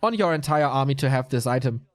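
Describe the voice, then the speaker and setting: A man's voice: mid-range voice, lively intonation, fast. A man giving casual solo commentary on a live strategy game tournament, chatty and answering viewer chat as he goes. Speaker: esports commentator.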